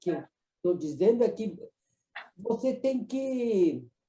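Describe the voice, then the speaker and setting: Speaking at a very slow pace, a woman uses lively intonation in a somewhat breathy voice of medium pitch with a dark, mellow tone. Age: 90s. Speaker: playwright. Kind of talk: casual chat.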